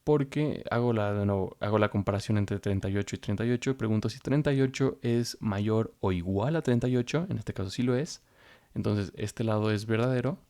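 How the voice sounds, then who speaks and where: Mellow-voiced programming tutor. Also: male voice, fairly low pitch, fairly quick. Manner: explains step by step while thinking aloud. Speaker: programming instructor. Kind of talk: screen-recorded coding tutorial.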